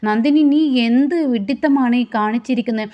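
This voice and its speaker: A woman's voice: fairly high pitch, a little fast, highs cut off, lightly acted. Woman doing an exasperated young husband. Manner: exasperated questioning. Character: flustered young husband, scolding his wife.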